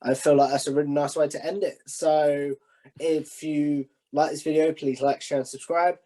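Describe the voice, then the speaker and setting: A man's voice: a little high, level tone, moderate pace, warm tone. A man hosting a casual interview in an informal, conversational way. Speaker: interview host.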